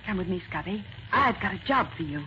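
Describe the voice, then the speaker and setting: An actress playing a quick-witted, eager American detective's assistant in 1940s radio crime drama. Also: female voice, fairly low pitch, animated, pushed and bright. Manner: alert, inquisitive. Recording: dull, noisy 1940s radio recording.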